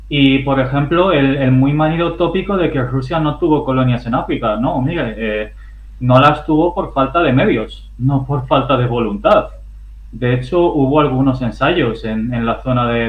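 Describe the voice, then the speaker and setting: A man speaks emphatically and deliberately, laying out his argument point by point. His voice sounds roomy, and the audio is dull. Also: mid-range voice. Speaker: host. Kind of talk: casual conversation.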